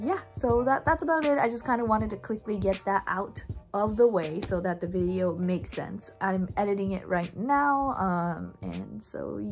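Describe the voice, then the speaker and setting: Over faint background music, a woman speaks at a moderate pace with hardly any pauses. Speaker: vlogger. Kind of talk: casual vlog chat. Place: home room. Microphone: phone near.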